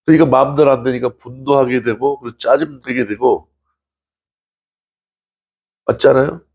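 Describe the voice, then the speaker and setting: Gravelly husky male pastor preaching. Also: mid-range voice, fairly even intonation, moderate pace, darkish tone. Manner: conversational preaching, rhetorical questions to the congregation; acts out dialogue from scripture stories. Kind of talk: sermon.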